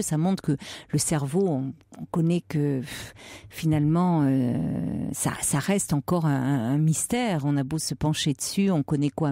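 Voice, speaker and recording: A woman hosting a late-night radio call-in, giving soft, reassuring advice with many hesitations. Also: lowish voice, dry recording, studio quality.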